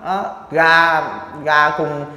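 A man's voice: fairly high pitch, little pitch movement, drawn-out words, pushed and bright. A young man, a charity vlogger interviewing a neighbor in casual talk, earnest and indignant as he talks at length. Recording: echoey, reverberant room.

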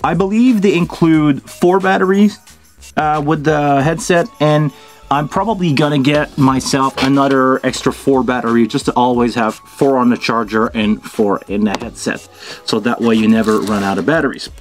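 A man's voice: medium pitch, fairly even intonation, normal speed, faint music behind. A middle-aged man casually hosting a product unboxing and review, thinking aloud in an informal way as he goes. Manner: informal, thinking aloud while handling gear. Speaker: video host, product reviewer. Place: small indoor studio at a table.

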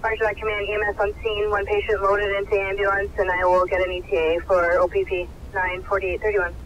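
A man's voice: high voice, monotone, fairly quick. A man working as a fire dispatcher, heard over a radio, reading back calls and times in clipped dispatch style. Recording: muffled radio with static noise.

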